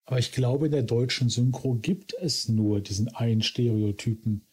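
A man's voice: medium pitch, normal speed, darkish tone, slightly rough. A man co-hosting a podcast, arguing his point casually and tagging sentences with questions. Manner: argumentative, tags sentences with "ne?". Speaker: podcast co-host.

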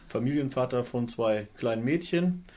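A man's voice: medium pitch, moderate pace, warm tone. A man in his forties, a company director, answering interview questions hesitantly with many fillers. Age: 40s. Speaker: company director, radio guest. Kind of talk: radio interview.

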